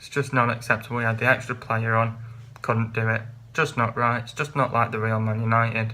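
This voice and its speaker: Loud, monotone male voice in a British accent, with a bright, sharp tone and a fairly quick pace. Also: medium pitch for a man. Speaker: football vlogger. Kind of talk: casual vlog commentary. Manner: halting.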